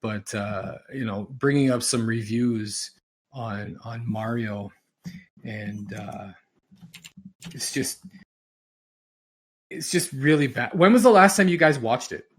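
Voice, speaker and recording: A man's voice: mid-range voice, expressive, slow pace, long pauses, slightly rough. Emphatic man chatting on a podcast. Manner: emphatic, exasperated, repeats himself for emphasis. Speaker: podcast host. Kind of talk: casual rambling podcast chat. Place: recorded podcast, audio only.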